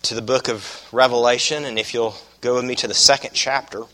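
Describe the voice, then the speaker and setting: A man with a Southern US accent preaching an expository sermon as a pastor, croaky from a cold, in a folksy, deliberate manner that repeats phrases for emphasis. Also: mid-range voice, steady tone, pushed and bright, rough recording. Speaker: pastor preaching to his congregation.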